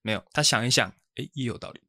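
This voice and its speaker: A man's voice: medium pitch, fast, pushed and bright, no echo, studio quality. A young man co-hosting a podcast, telling stories in casual chat with mock outrage and free swearing. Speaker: podcast co-host.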